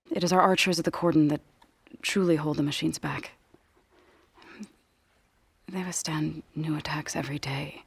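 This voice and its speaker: A solemn tribal grave singer from a video game, with a low, husky voice. She is gentle and earnest, choosing formal words with care. The sound is dry and close. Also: no echo, full character voice. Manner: measured, earnest, formal phrasing. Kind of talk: video game character dialogue.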